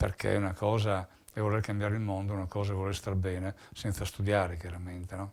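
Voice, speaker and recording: A man's fairly low, monotone voice with flat intonation at a very fast pace. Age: 60s. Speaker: former factory worker and trade union delegate. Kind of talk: oral history interview. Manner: halting.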